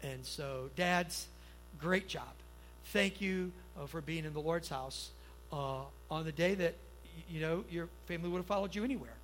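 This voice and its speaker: A man's voice: a little high, moderate pace, fairly bright tone, soft background music, poor audio. A middle-aged man, a pastor, preaching to a church congregation in a folksy, storytelling way, often checking in with the crowd, then leading a prayer. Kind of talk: conversational sermon and prayer.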